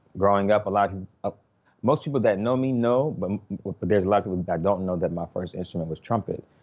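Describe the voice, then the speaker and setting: A man with an unremarkable speaking voice talks fairly quickly at a fairly low pitch, with ordinary pitch variation. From Pittsburgh, Pennsylvania. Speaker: bassist. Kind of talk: casual interview.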